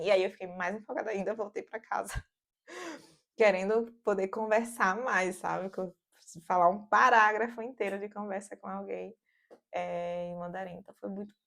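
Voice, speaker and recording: A woman's voice: mid-range voice, creaky. A woman in her thirties from Brazil with a Brazilian Portuguese accent, chatting casually and animatedly in a vlog from her home office. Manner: chatty and animated, lots of fillers. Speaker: vlogger.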